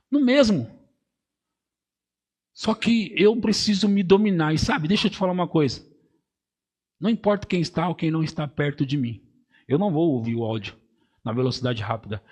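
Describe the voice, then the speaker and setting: A Brazilian man preaching a sermon as a pastor, moving from quiet asides to loud shouted emphasis and playfully mimicking voices. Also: sits high, a little fast, long pauses. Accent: Brazilian Portuguese.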